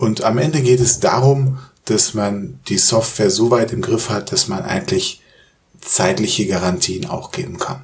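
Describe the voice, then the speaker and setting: Speaking at a fairly slow pace, a man with an ordinary speaking voice uses lively intonation at a medium pitch. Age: 40s. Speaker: computer science postdoc. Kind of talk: technical interview.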